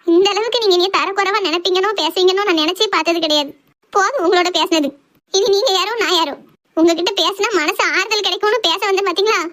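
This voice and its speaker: Woman voicing a very high, quick cartoon girl. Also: fairly bright tone. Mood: wounded, bitter. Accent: southern Tamil Nadu Tamil. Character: sweet, easily wounded young girl in love. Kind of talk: amateur cartoon love drama voice acting.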